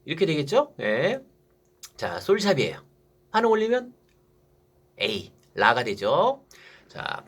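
A male saxophone teacher explains music theory with a fairly high, animated voice that swings up and down. His tone is a little husky. He keeps asking his students questions and then answers them himself.

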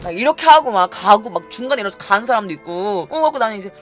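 Young woman, vlogger, casual storytelling, acts out quoted voices, lively swinging pitch, soft music underneath. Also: racing. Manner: animated, acts out quoted people.

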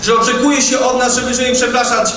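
A man's voice: very high voice, monotone, fairly quick, sharp tone, far from the mic. A man in his thirties giving a rousing campaign speech, addressing the crowd directly. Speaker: politician warming up a rally. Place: hall with audience. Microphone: podium microphone, far camera. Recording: echoey hall, heard from afar.

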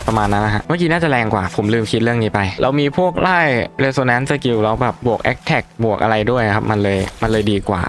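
A man's voice: mid-range voice, fairly bright tone. Chatty man giving game commentary. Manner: chatty, polite, with frequent laughs and self-corrections. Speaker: gaming video host. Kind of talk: casual gameplay commentary.

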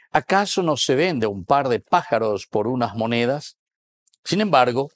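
A man's voice: mid-range voice, dry recording. A man in his fifties with a Paraguayan accent, preaching as a Catholic priest. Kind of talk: sermon with scripture reading. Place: small indoor wood-panelled chapel. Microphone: lapel mic.

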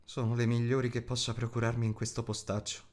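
A man's voice: medium pitch, monotone, brisk, darkish tone, natural voice. A drowsy, grumbling hobbit from a storybook performed by a man. He mutters his complaints sleepily.

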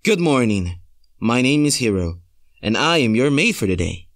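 A man's voice: medium pitch, sing-song, moderate pace, dry recording, clean studio sound. A man voicing a polite, servile maid in an anime-style character performance. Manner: courteous, deferential. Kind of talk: character demo reel acting.

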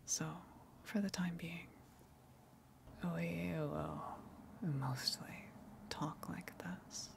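A woman playing a gentle, coaxing eldritch tentacle monster in an ASMR roleplay, speaking hesitantly and considerately with long pauses. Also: lowish voice, gravelly, noisy background, heavily acted. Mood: hesitant, cautious.

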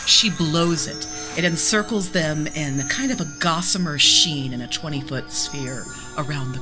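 A woman player describes her character's actions in a tabletop game. Her voice is slightly low and very expressive, with music clearly behind it.

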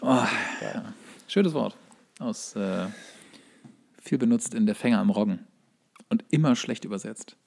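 A man's voice: fairly low pitch, animated, unhurried, gravelly, long pauses, warm tone. A man who co-hosts a podcast, chatting casually and comedically in a wry, sardonic manner. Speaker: podcast co-host.

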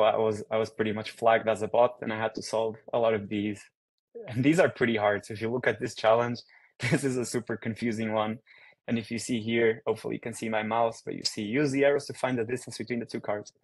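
Upbeat Portuguese-born man giving a talk. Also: lowish voice. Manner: casual, upbeat presenter with frequent fillers. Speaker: guest speaker. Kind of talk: online research talk. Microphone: video call.

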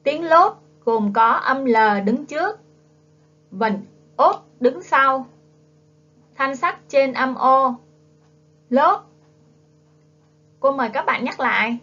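Speaking slowly in a high-pitched, expressive voice with a bright, forceful tone, a woman teaches young children to read. She's a primary school teacher with a Southern Vietnamese accent, coaxing the class to repeat after her in a phonics lesson. It's captured as dull, lo-fi classroom video audio.

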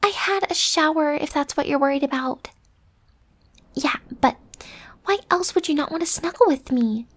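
A woman acts out a young tsundere roommate in an ASMR roleplay, her voice set high. She is huffy and bossy, quick to get defensive, with a secret soft side and breathy whispered asides. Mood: exasperated, defensive.

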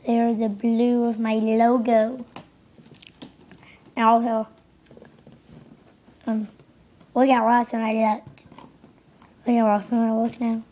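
Young female gameplay commentator, under the weather, hoarse. Slow, flat, offhand delivery, slightly dull lo-fi home mic. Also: on the high side. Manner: rambling, offhand, easily distracted. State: losing voice, sick. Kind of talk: casual game commentary.

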